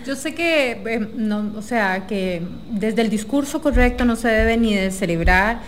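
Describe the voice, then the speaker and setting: A woman, talking thoughtfully and softly as a guest in a casual interview. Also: fairly high pitch, animated, a little slow, a little hiss or hum. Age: 30s.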